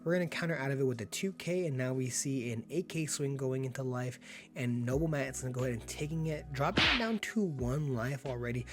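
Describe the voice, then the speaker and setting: A man getting over being sick, with a slightly hoarse voice, giving upbeat, laid-back play-by-play commentary on a card game and laughing often. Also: mid-range voice, fairly quick, over music.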